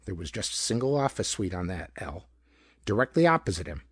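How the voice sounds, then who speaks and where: Husky, expressive male audiobook narrator. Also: on the low side, a little fast, dry recording, studio quality. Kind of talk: scripted narration of a pulp detective story.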